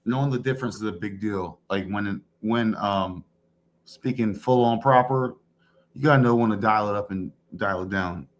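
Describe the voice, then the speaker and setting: A man's voice: lowish voice, normal speed. A man from Maryland with no regional accent, chatting casually in a laid-back, playful, slangy way. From Maryland, United States. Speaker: stream guest. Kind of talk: casual chat.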